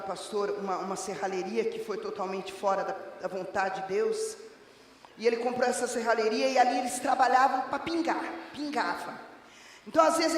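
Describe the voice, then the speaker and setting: A middle-aged woman pastor delivers a fervent Pentecostal sermon. Her voice rings with a long reverb through a large church hall and is caught from some distance. A faint room hum sits under it. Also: fairly high pitch. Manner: fervent preaching that swells into shouting. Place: church sanctuary.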